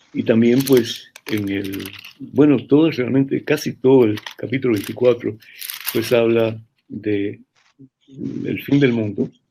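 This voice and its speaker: A very slow, dark and mellow delivery with fairly even intonation and long, frequent pauses. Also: man, medium pitch for a man. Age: 70s. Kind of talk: interview.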